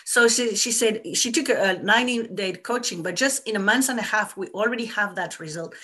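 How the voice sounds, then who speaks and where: Bright-voiced woman with a French accent. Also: medium pitch, a little fast, husky. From France. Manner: earnest and explanatory, stresses points by repeating them. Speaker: business and mindset coach. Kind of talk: casual interview answers.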